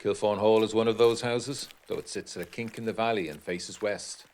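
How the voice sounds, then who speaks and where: A deep-voiced gentleman of the 1920s, played by a male actor, narrating a gothic audio drama letter. He is formal and measured, with an educated, literary turn of phrase and an undercurrent of unease. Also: fairly even intonation, close to an everyday voice. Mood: sombre, descriptive.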